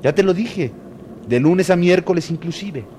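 A man reading an audiobook aloud, expressive and dramatic, voicing a first-person narrator. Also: high-pitched, moderate pace, a little hiss or hum. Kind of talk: audiobook reading with character voices.

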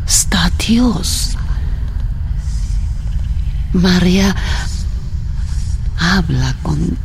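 Slow, creaky, grieving Mennonite woman. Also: on the low side, noisy background, heavily acted. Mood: questioning, forlorn. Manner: very slow, halting, third-person speech in short fragments. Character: lonely, grieving Mennonite woman abandoned in Mexico. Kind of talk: radio drama monologue in broken, telegraphic sentences.

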